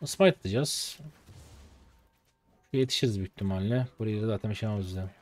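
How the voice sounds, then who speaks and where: A man's voice: lowish voice, quick pace. A man in his late twenties from Turkey, a streamer giving slangy, casual commentary over his own gameplay. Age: late 20s. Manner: slangy, excitable, shouts when the game turns.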